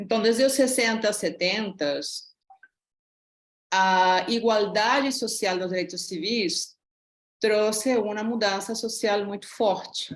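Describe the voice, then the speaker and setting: In a Peruvian accent, a woman speaks very slowly with a fairly high pitch and ordinary pitch variation. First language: Spanish (speaking Portuguese). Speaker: sociologist, audience member. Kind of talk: audience question in online class.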